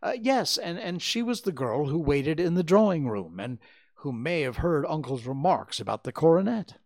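A man's voice: on the high side, very animated, moderate pace, darkish tone, voice pushed up. A man reading aloud, voicing an anxious, earnest young woman in a pleading, breathless way. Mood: eager.

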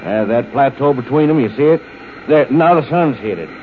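An actor playing a folksy, laconic rancher with an American accent in a 1950s radio drama. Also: male voice, mid-range voice, lively intonation, moderate pace, close to an everyday voice. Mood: folksy, wary. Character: folksy laconic male rancher, secretly a calm alien pilot. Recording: tinny, hissy 1950s radio recording.

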